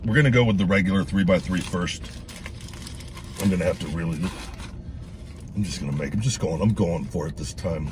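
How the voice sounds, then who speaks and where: There's background noise as a middle-aged man with a low-sitting voice vlogs from his parked truck, reviewing food. It's a casual, profane car vlog full of swearing, rambling and crude self-mockery.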